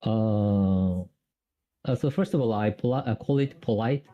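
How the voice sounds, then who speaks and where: A man's voice: on the low side, a little slow, lo-fi sound. A Japanese man speaking English with a Japanese accent, explaining grammar on a call, hesitant with many fillers and restarts. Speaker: Japanese tutor.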